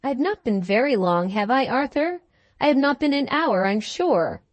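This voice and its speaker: A woman's voice: high voice, animated, moderate pace, no room sound. A woman voicing an earnest young wife and mother who speaks in a pleading, reproachful way in an audiobook.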